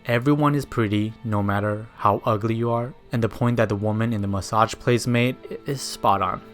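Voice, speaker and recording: A low-pitched man narrates a scripted film essay. He speaks fluent second-language English in a reflective, personal way, with music playing behind him. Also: brisk. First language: Mandarin. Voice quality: non-native but fluent English. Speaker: video essayist.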